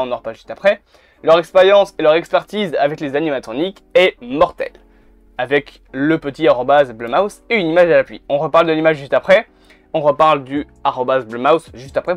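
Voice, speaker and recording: With no room sound, a man with a voice on the high side chats to camera bluntly and casually, cursing from time to time. The YouTuber's commentary comes through the camera mic, with music playing faintly behind.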